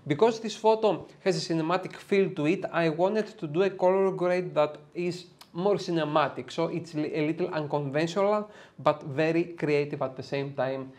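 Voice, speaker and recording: A man's voice: on the high side, normal speed. A man in his thirties with a Greek accent, chatting his way step by step through a photo editing tutorial from a home studio. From Greece. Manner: lively, chatty, explains step by step with filler uhs. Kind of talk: screen-recorded software tutorial. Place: dim home studio, indoors.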